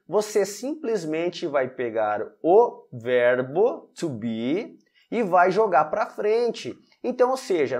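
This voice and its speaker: A Brazilian man gives an online English grammar lesson. His voice sits a little high and swings up and down lively, and he talks at an unhurried pace. He keeps checking in with his students and repeats each example slowly. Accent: Brazilian Portuguese. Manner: lively teaching, often checks in with "alright?" and "ok?". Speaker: English teacher.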